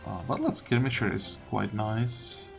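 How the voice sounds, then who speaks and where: A man's voice: fairly low pitch, measured pace, creaky. A man giving casual game commentary, thinking aloud through his tactics in loose fragments. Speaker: gaming video creator. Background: game music.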